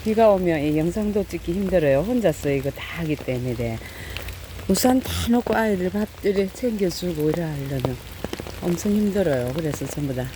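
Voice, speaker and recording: A woman's voice: on the low side, animated, normal speed. A middle-aged woman narrating casually outdoors as she feeds stray cats, with many fillers and a fond, coaxing voice when she calls to them. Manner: talks fondly to cats in a raised coaxing voice, lots of fillers. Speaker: cat-feeding vlogger. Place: outdoors in heavy rain. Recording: light rain noise outdoors. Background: rain falling.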